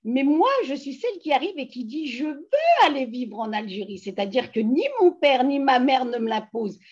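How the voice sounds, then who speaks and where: Husky high-voiced Frenchwoman on a video call. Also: normal speed. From France. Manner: animated, emphatic storytelling with many fillers. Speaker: interviewee, feminist activist. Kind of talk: casual interview over video call. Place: home living room. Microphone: laptop webcam mic on video call. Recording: dull lo-fi video call audio.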